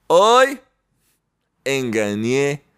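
Joke character: a cocky little boy bragging, high and eager, put on by a male preacher. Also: very slow, smooth, heavily acted. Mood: boastful. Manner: excited, breathless boasting. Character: boastful little boy, a prankster's son.

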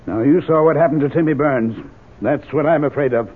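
A man's voice: on the high side, a little fast, husky. An anxious but obstinate man of means in a seventies radio play. He is firm and clipped, with some huskiness, heard through a thin, muffled vintage broadcast. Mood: tense, insistent. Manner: curt, firm, worried. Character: anxious, stubborn wealthy male blackmail victim. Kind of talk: 1970s American radio drama acting. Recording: narrow-band, muffled old radio broadcast.

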